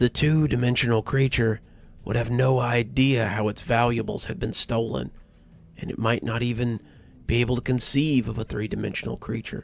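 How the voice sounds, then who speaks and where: A man puts on a creaky character voice at medium pitch. He speaks at a moderate pace with fairly even intonation. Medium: read story. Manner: slow, eerie, musing.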